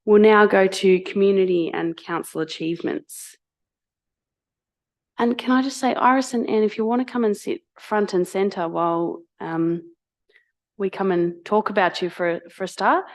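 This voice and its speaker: A woman who is mayor, chairing a council meeting in a council chamber in a brisk, procedural way. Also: mid-range voice, fairly even intonation.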